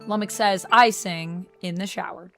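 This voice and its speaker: A woman's voice: medium pitch, moderate pace, fairly bright tone, soft background music. A woman chatting casually on her live stream, reading chat messages aloud and replying to viewers. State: recovering from vocal strain.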